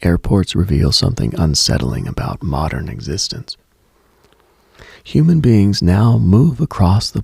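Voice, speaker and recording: A man hosting a late-night mystical radio monologue in a hushed, husky, gravelly voice, deliberate and brooding, with pauses, close on the mic. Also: no room sound. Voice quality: husky, breathy, gravelly low voice.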